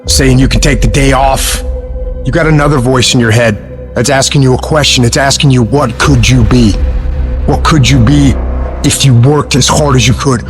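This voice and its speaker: A man with a middling pitch heard on a workout motivation track, posing deliberate challenges over a musical bed. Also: steady tone, music in the background. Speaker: motivational speaker. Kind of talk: motivational speech.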